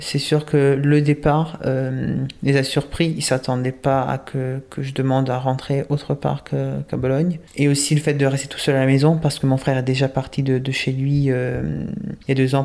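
A man's monotone, flat delivery at a moderate pace, with noticeable background noise. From Italy. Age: 20s. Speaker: seminarian in vocational discernment year. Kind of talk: interview testimony. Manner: halting, with frequent repetitions and hesitations.

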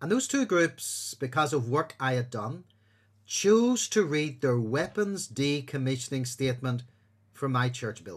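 In a Northern Irish accent, a man speaks at a fairly slow pace with a fairly high, somewhat breathy voice, captured on a very clean recording with a silent background. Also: lively intonation. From Northern Ireland. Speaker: Methodist minister and peacebuilder. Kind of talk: interview.

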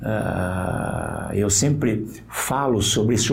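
A man speaks with ordinary pitch variation. The room echo is audible, and there is noticeable background noise. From central Brazil (Goiás/Tocantins). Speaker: businessman and politician. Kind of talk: interview.

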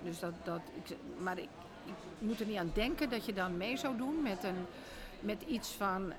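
Amid noticeable background noise and audible room echo, a woman speaks with lively intonation and long, frequent pauses. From Netherlands, Texel. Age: 60s. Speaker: film trade magazine publisher. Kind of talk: interview. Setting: bistro at a railway station.

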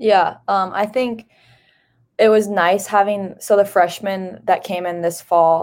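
In a plain, everyday voice, a woman talks with fairly even intonation. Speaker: college soccer player. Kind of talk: casual interview.

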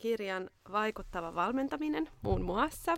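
In a very clean recording with a silent background, a woman speaks at a fairly slow pace and medium pitch, her voice making very wide pitch swings. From Finland, Kuopio (Savo). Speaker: psychologist, podcast host. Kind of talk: podcast interview.

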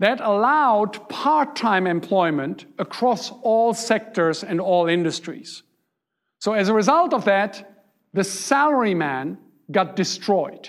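Speaking very slowly in a high pitch with a German accent, a man keeps his loudness very even while his intonation stays lively. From Germany. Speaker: economist. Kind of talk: presentation. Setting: stage with audience.

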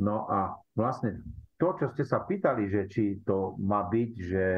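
This man talks at a moderate pace in a fairly low voice. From Slovakia, Terchová. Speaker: folk musician and singer, teacher. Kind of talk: radio interview. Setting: video call. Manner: talkative.

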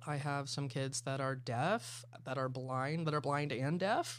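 A man with an American accent speaks at a moderate pace in an unremarkable speaking voice, his pitch medium and his intonation fairly even. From Oklahoma City. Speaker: music teacher. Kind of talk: casual chat.

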